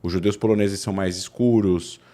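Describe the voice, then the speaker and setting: A man's voice: deep voice, steady tone, fairly quick, dark tone. A Brazilian man from São Paulo, a guest political scientist, telling his story in long explanations full of restarts and self-corrections. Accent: Brazilian Portuguese, São Paulo. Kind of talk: interview conversation.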